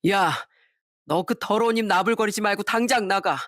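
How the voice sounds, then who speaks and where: A woman's voice: mid-range voice, moderate pace, fairly bright tone, no echo, studio quality, natural voice. A woman voicing an angry middle-aged husband who confronts the man bothering his wife, in a harsh, commanding way. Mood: furious. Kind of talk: dramatized story reading.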